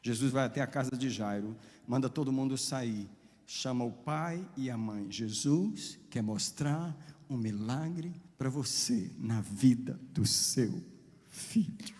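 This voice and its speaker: A man preaching a sermon as a pastor, impassioned, with dramatic swings between loud and soft. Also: mid-range voice, unhurried, in a large hall.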